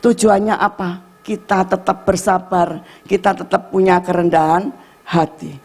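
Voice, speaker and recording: A woman's voice: lowish voice, fairly even intonation, measured pace, darkish tone. A middle-aged woman pastor, preaching a sermon and telling personal stories with strong feeling. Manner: emotional storytelling, dips into Javanese dialect.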